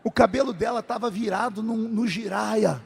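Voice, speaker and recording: A male pastor telling a comic personal story in a sermon, animated and lively, in a large church hall. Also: high-pitched, normal speed, creaky, slightly rough. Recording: long hall reverb.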